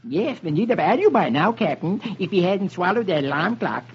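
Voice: medium pitch, very animated, fairly quick, breathy edge, exaggerated voice. A performer voicing an eager male pirate sidekick who explains things helpfully, on a dull old radio recording.

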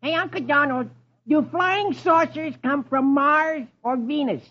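A man voicing cheeky little cartoon duck nephews, eager and squeaky. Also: unhurried, bright, forceful tone, heavily acted. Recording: dull old radio recording.

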